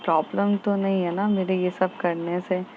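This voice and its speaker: A woman storyteller voicing a bold, protective young woman in love, speaking more softly than her narration. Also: on the low side, little pitch movement, moderate pace, phone-quality sound, a little hiss or hum, natural voice. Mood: tender.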